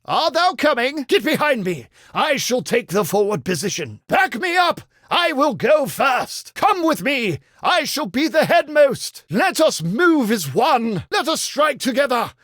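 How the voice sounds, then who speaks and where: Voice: high-pitched, sing-song, unhurried, hardly any pauses, a bit bright, dry recording, studio quality, exaggerated voice. An actor playing a pompous, foppish medieval knight in a video game, speaking in florid, exaggeratedly courtly mock-archaic phrases. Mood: commanding, eager.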